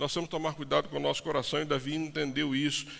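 A fairly high-pitched man with a Brazilian accent. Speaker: pastor. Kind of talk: sermon. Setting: church.

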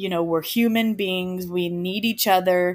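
With fairly even intonation, a woman speaks at a medium pitch in a very clean recording with a silent background. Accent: Southern US. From US South, Atlanta Georgia. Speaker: podcaster. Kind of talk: casual interview chat.

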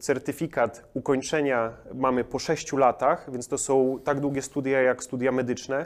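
A man talks at a moderate pace with hardly any pauses. His intonation is flat and monotone. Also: medium pitch for a man. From Podlasie, eastern Poland. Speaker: veterinarian and clinic owner. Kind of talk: interview.

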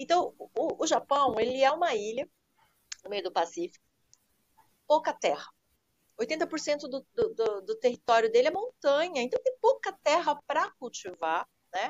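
Her voice high and her pitch swinging very widely, a woman speaks at a fairly slow pace with long, frequent pauses. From Brazil, São Caetano area. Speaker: guest speaker on Japanese culture. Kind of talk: casual interview.

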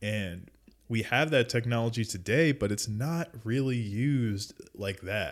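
This man has a normal speaking voice at a medium pitch with ordinary pitch variation. He talks at a fairly slow pace. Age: 20s. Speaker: podcast co-host. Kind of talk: casual chat.

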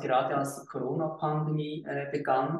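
A man is speaking. His pace is moderate. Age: 30s. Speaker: entrepreneur and ultra-endurance athlete. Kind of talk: interview. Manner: halting, many fillers.

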